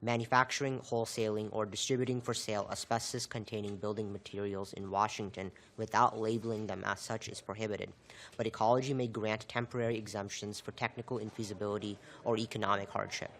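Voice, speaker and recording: A man working as a committee intern, reading a formal bill report in a measured way. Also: lowish voice, level tone, fairly bright tone, a little hiss or hum.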